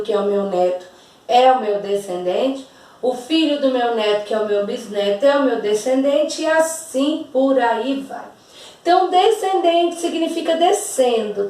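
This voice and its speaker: A Brazilian woman teacher speaks slowly and patiently, stretching out words so their sounds come through clearly. Her voice sits a little high and reaches the mic from a distance. It rings around a very echoey room. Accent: Brazilian Portuguese. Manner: slow and patient, drawing out words to demonstrate sounds. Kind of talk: slow, over-articulated classroom explanation.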